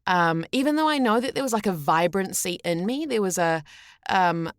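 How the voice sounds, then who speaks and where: A woman's voice: mid-range voice, expressive, moderate pace, no echo, clean studio sound. A woman in her thirties with a New Zealand accent, telling personal stories casually and expressively as an interview guest. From rural New Zealand. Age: 30s. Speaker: podcast guest, voice actor.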